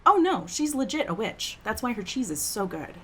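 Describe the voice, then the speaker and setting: A woman's voice: on the high side, sing-song, moderate pace, husky. A woman playing a brash, friendly young townswoman in an audio drama, slangy and full of playful ribbing. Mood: casual, amused.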